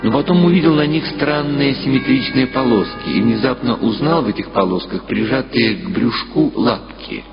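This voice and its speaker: A man's voice: medium pitch, expressive, moderate pace, few pauses. A man reading scripted fiction as the narrator of an audiobook. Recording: dull radio-like sound over loud music.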